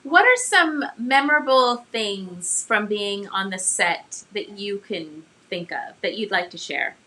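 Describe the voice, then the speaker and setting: A woman's voice: mid-range voice, expressive, slow pace, sharp tone, rough recording. A woman hosting a casual interview show, putting questions to a guest and chatting informally. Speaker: host.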